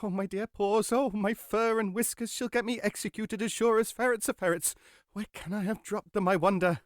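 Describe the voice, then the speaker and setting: A man's voice: sits high, fairly even intonation, normal speed, no room sound, clean studio sound, close to an everyday voice. An actor playing a fussy, anxious male White Rabbit in a full-cast audiobook, fretting and barking orders. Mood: fretful. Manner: fretful, muttering, bossy.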